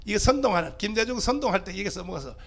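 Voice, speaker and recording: Pastor guy preaching at a rally, high-pitched, gravelly, keeps throwing questions at the crowd. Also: animated, very fast, a bit bright, slight background noise. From Gyeongsang region, Korea. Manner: fiery, emphatic, fires rhetorical questions at the crowd. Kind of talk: rally speech.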